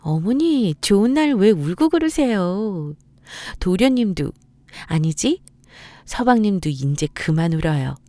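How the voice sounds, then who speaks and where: A woman's voice: mid-range voice, very animated, measured pace, warm tone, no echo. A woman voicing a young, fawning daughter-in-law in a radio drama, speaking in a sugary, ingratiating way.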